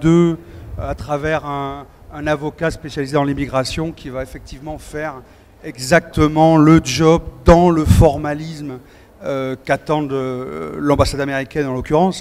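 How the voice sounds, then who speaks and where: Delivered at a fairly slow pace, the speech has monotone, flat intonation and big swings in loudness. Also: man. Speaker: company executive, conference speaker. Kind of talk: conference panel testimony. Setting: conference with audience. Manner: hesitant, many fillers.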